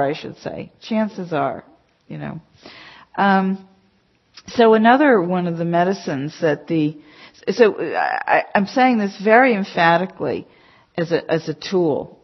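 A woman teacher giving a conversational dharma talk to a class, emphatic and chatty with many "you know" asides. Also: fairly low pitch. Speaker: meditation teacher. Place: meditation center hall. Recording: dull lo-fi talk recording.

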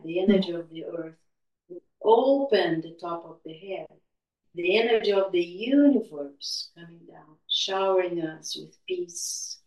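A woman teaching guided meditation and gentle movement in a soothing, unhurried, spiritual healer-like manner. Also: sits low. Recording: echoey room, distant from mic.

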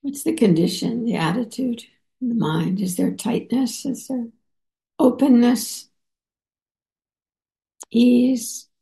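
A woman meditation teacher leading a guided meditation, unhurried and halting, with many soft pauses and fillers. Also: a little high, vocal fry. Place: meditation center.

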